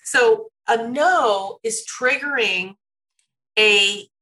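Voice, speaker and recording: A woman giving parenting advice in a relaxed conversation, laughing often and slipping into a sing-song tone when acting out what parents can say. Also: on the high side, extremely slow, poor audio. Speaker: parenting expert guest.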